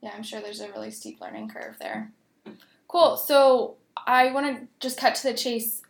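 A woman's voice: a little high, wildly swooping pitch, moderate pace. A woman hosting an interview, asking short questions and giving brief affirmations. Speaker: interview host. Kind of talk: hosted interview.

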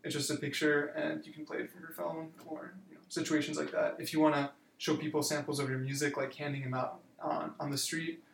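A man in his twenties, a university student, answering interview questions in a relaxed way with many fillers. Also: fairly high pitch, brisk, creaky, few pauses, reverberant, a little hiss or hum. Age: 20s. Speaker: student guest.

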